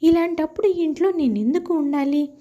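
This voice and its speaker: A woman's voice: sits high, a little fast, dark tone, highs cut off, natural voice. A woman voicing a wronged young daughter-in-law who protests outspokenly in a family moral story. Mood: hurt, protesting.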